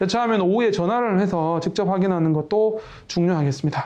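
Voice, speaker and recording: The speaker talks at a fairly quick pace over a quiet background. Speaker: physician lecturer. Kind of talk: lecture. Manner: fast.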